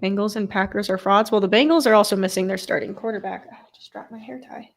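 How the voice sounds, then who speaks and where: A woman's voice: mid-range voice, fast. A woman streamer with a stuffy nose from a cold, giving casual play-by-play of a football game and chatting with her viewers. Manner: chatty, swears casually, reads and answers chat. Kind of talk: casual live play-by-play commentary with chat. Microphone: desk streaming microphone.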